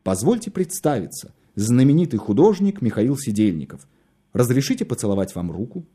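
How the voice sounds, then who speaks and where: A gallant male charmer in a storybook reading, all honeyed flattery and courtly politeness, as a man narrating puts him on. The tone is mellow and slightly husky, and the pitch moves about freely. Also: brisk. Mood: charming. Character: smooth-talking male artist charming a child.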